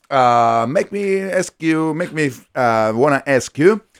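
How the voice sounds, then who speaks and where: With music in the background, a man talks fairly slowly at a fairly high pitch and ordinary pitch variation. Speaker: radio host. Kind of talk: radio interview and show hosting. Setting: radio studio.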